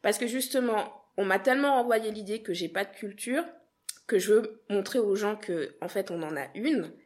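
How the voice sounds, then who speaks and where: A woman's voice: mid-range voice, normal speed. A young woman from Guadeloupe, a podcast creator answering interview questions in an earnest, thoughtful way with frequent hesitant restarts.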